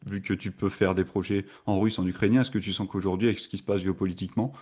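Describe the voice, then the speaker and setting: A man's voice: low voice, little pitch movement, quick pace, warm tone, slightly rough. A man hosting a podcast, asking casual questions with hesitations and fillers. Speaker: podcast host. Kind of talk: podcast interview.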